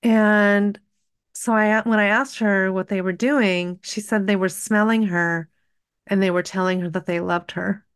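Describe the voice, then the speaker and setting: Middle-aged woman, guest, earnest personal story, smooth clear voice, dry close sound. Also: mid-range voice, steady tone, a little slow, no room sound. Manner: candid, emotional, earnest recounting. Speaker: podcast guest.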